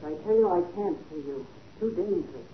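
A woman's voice: on the low side, lively intonation, fairly quick, lightly acted. A muffled vintage radio recording with faint noise carries a woman playing a nervous gangster's girlfriend. She sounds guarded and urgent, pleading in 1940s radio drama style. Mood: anxious, guarded. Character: anxious, secretive gangster's girlfriend.

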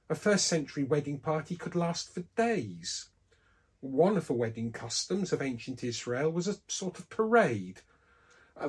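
Man, husky voice, fairly high pitch, storytelling sermon delivery. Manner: storytelling, lively emphasis on key words. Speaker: preacher giving a Bible talk. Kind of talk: scripted devotional talk.

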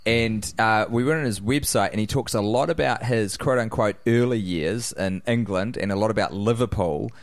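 A man co-hosting a casual comedy podcast, chatty and quick to laugh, swearing now and then. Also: on the low side, no room sound. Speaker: podcast co-host.

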